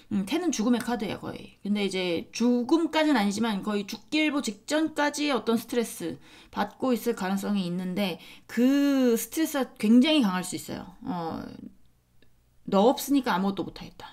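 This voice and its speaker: In a Jeolla accent, a woman speaks at a moderate pace. Her pitch is fairly high and her intonation lively. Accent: Jeolla dialect features. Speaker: tarot reader. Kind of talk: tarot reading monologue to viewers. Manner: casual, with many fillers and repetitions.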